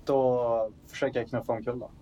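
A man's voice: medium pitch, level tone, warm tone, distant mic, slight background noise, rough recording. A man playing a tabletop role-playing game, eagerly describing his character's actions. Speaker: player.

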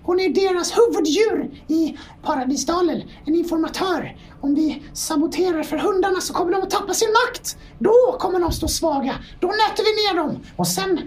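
A woman's voice: very high-pitched, few pauses. A woman voicing a stern, secretive female rebel leader animal who speaks in a commanding, curt way.

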